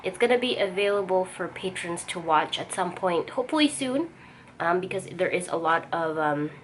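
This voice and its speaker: Woman rambling casually over steady background noise. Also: lowish voice, moderate pace. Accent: Filipino. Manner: rambling, thinks aloud while sorting stock. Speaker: artist vlogger. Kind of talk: casual chat while working. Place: home art studio. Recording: noisy room ambience.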